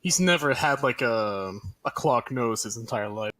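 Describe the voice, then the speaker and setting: A man taking part as a player in a tabletop game, relaxed and jokey, and he swears now and then. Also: mid-range voice, moderate pace, distant mic. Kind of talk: casual chat.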